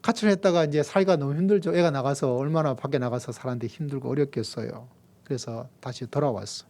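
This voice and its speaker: A man from the region, preaching a sermon and telling a playful story with emphatic, drawn-out key words. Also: medium pitch, a little mellow. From Gyeongsang region, Korea. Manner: playful storytelling with jokes and acted-out voices. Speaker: pastor.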